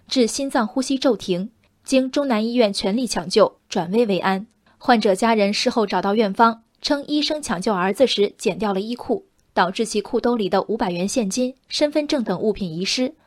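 A woman reading a scripted radio commentary with measured, reflective delivery. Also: fairly high pitch, darkish tone. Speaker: commentary host.

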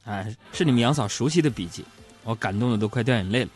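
A man's voice: medium pitch, animated, racing, soft background music. A middle-aged man, hosting a talk show and telling funny stories about his married life in a chatty, teasing way. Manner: joking, teasing, chatty storyteller. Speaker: radio-style program host. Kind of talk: humorous storytelling talk show.

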